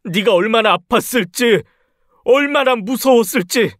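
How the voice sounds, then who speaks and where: A grief-crazed vengeful husband. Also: male voice, very high-pitched, unhurried, no echo, clean studio sound. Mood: seething. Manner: raging, threatening, shouting. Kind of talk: story radio drama reading.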